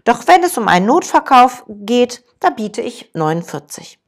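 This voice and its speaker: A woman's voice: on the high side, sing-song, moderate pace. A woman reading the businesslike lines of a male jewelry dealer.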